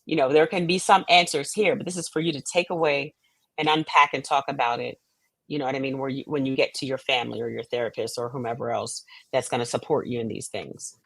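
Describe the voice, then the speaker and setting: Speaking fast in a very deep, steady, fairly bright voice, a middle-aged American woman, a playwright and stage director, explains things reflectively as an interview guest. She keeps checking she's understood with "you know what I mean," on a dry, rough recording.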